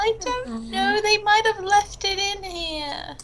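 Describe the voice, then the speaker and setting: Over clear background noise, a woman puts on a squeaky character voice at an extremely high pitch and a fairly slow pace. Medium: actual play. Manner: blunt, impatient.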